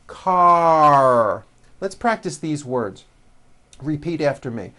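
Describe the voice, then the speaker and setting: A pronunciation teacher narrating a language lesson, giving instructions and enunciating example words with deliberate emphasis for the learner to repeat. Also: mid-range voice, expressive. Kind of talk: language lesson narration with slow, repeat-after-me word drills.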